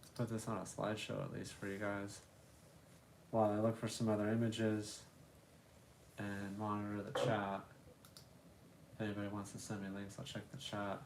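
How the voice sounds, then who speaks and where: A man with a fairly low voice speaks in a relaxed tone and a monotone, flat intonation, with long, frequent pauses and big swings in loudness. Audible room echo surrounds him. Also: moderate pace. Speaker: YouTuber live-streaming about old photos. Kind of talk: casual live stream chat. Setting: live stream. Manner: relaxed, chill.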